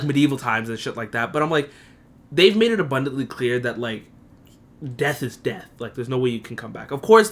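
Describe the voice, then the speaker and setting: A young man hosting a casual solo podcast, profane and animated, leaping into high excited squeals and then dropping to low muttered asides. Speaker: podcast host.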